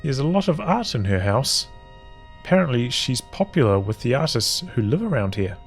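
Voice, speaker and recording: A man reading journal entries from a visual novel aloud as storytelling, in measured, halting phrases with pauses. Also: medium pitch, sing-song, creaky, soft background music.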